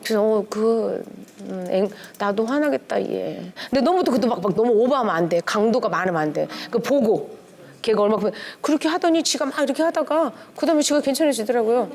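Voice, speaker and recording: A middle-aged pastor's wife with a fairly high, quick voice gives a conversational lecture on family relationships to a church class. She's lively, acting out little bits of quoted dialogue with shifting tones.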